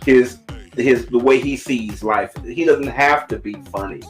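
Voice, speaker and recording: A man co-hosting a casual movie review, expressive, acting out quotes and often checking that his listener agrees. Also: medium pitch, a little slow, faint music behind.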